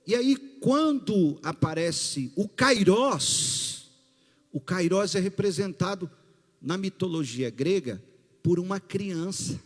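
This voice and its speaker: Slow, high-voiced preaching man in a hall. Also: expressive. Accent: Brazilian Portuguese. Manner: slow, emphatic preaching with rising bursts. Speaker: pastor. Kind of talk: sermon. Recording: long hall reverb with faint music.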